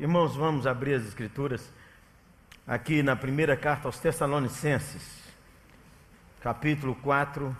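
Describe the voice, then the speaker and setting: Brazilian preacher guy w a northern minas accent, jokey sermon that gets loud reading scripture, lots of church echo. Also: mid-range voice. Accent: northern Minas Gerais Portuguese. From Janaúba, Minas Gerais, Brazil. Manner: joking and chatty, rising to loud emphatic scripture reading. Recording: long hall reverb.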